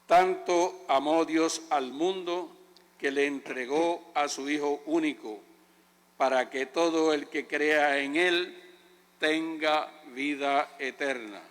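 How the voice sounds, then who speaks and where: Very slow lector in a cathedral echo. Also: male voice, a little high. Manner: very slow, deliberate reading in short phrases. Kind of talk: liturgical reading at Mass. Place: large church. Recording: cathedral echo with long reverb.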